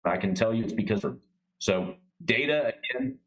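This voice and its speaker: Low-voiced man on a call that keeps cutting out. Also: moderate pace, lo-fi sound. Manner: businesslike, steady, with frequent "um" and "right?". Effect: call audio cutting out and breaking up. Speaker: retail development consultant presenting to a county board. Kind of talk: remote presentation over a call.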